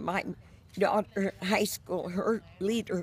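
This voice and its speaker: With an American accent, a woman speaks very slowly and somewhat breathily, her pitch varying in an ordinary way. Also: dry sound with no echo. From United States. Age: 80s+. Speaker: nurse. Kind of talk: interview answer. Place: garden. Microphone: phone near.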